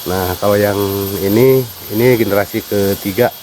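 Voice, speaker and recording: Male site guide, Sundanese accent, low voice, patient and rambling; hissy outdoor recording. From West Java, Sundanese. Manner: unhurried, hesitant with fillers, explains at length. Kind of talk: casual explanatory interview. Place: outdoors at a wooded sacred site.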